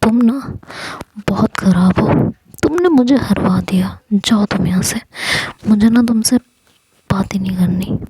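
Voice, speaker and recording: A woman's voice: medium pitch, a little slow, dark tone, slightly rough, no room sound. A woman voicing Rabia, a sulky, tearful young woman. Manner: sulky, pouting.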